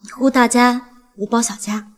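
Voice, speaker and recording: An actress playing an affectionate, eager young adult daughter in a screen drama. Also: female voice, a little high, steady tone, moderate pace, lightly acted. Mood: earnest.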